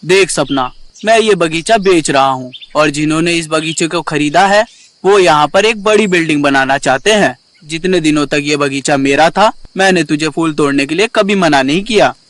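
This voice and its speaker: A man playing a firm, matter-of-fact garden owner in an animated story, explaining himself plainly. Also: fairly high pitch, normal speed, lightly acted. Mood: firm, regretful.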